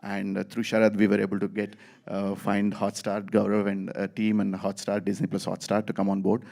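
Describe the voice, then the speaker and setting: A man, a producer speaking on a press-event stage, talking haltingly with many fillers and restarts. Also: on the low side, completely flat delivery, creaky, a little mellow. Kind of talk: press meet answer.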